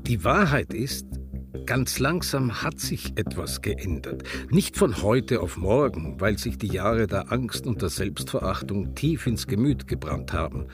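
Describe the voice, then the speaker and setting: A man's voice: on the low side, very animated, measured pace. An actor playing a bold, defiant gay Viennese man in drag in a radio drama. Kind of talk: radio drama dialogue and monologue. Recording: music under the voice. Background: music.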